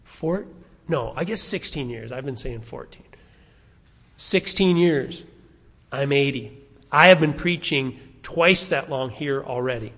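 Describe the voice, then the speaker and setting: Speaking a little slowly, this pastor in his sixties gives his congregation a conversational sermon full of questions directed at them. His medium-pitched voice is somewhat bright and echoes through the big hall of the church sanctuary.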